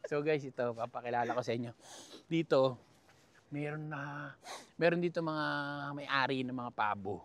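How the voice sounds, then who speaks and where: A man's voice: mid-range voice, normal speed. Playful joking man vlogging outdoors. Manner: playful, joking, laughs often, talks straight to viewers. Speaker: travel vlogger. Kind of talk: casual travel vlog. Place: outdoors walking along a river path.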